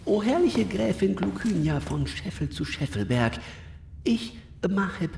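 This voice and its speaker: A man's voice: high-pitched, big pitch swings, unhurried, vocal fry, roomy sound, noisy background, full character voice. A man playing a servile palace slave messenger in an audio drama, speaking in a flowery, ceremonious way. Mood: reverent. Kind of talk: German audio drama acting.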